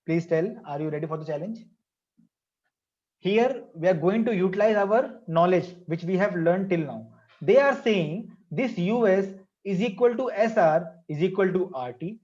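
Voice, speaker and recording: South Asian accent, teacher, medium pitch, interactive lesson delivery, repeated prompts, dull lo-fi recording. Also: animated, normal speed, a little mellow. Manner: repeats phrases and questions to prompt pupils. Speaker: maths teacher. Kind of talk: interactive online class lesson, asking questions.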